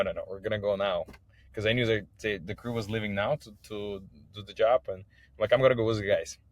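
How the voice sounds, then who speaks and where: Guy from kazakhstan, english, lowish voice, telling his own story on a podcast, dry close sound. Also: no echo. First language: not English. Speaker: podcast guest, business owner. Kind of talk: personal storytelling in an interview.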